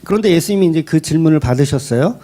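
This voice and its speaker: A male pastor preaching a sermon in an animated way, asking his listeners rhetorical questions and acting out quoted voices. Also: on the high side, fast talker. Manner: asks the congregation rhetorical questions.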